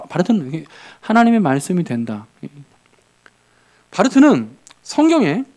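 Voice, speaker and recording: Animated high-pitched male preacher. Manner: animated preaching with acted-out quotes and rhetorical questions. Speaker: pastor. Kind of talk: sermon. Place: church service.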